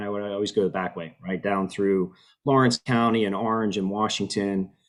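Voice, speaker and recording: At a fairly quick pace, a man with an American accent talks in a fairly low pitch. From US Northeast (Philadelphia). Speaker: retired army officer, veterans arts program organizer. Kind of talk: webinar panel discussion. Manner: fast; halting, many repetitions and fillers.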